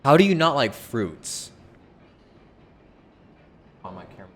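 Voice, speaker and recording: A man's voice: mid-range voice, sing-song, measured pace, a little hiss or hum. A man live streaming a video game, chatting casually and reading aloud in an offhand way. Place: indoors, streaming with game music behind.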